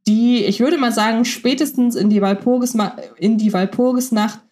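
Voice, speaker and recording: A woman's voice: a little high, normal speed, warm tone. A woman co-hosting a podcast, chatting enthusiastically and thinking aloud with fillers. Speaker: podcast co-host. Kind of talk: casual podcast chat about radio plays.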